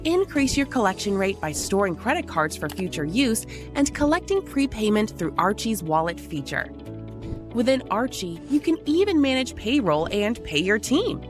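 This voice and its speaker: A woman reading a polished, upbeat scripted ad for software. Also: mid-range voice, sing-song, moderate pace. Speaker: ad voice-over. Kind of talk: scripted ad read. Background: music bed.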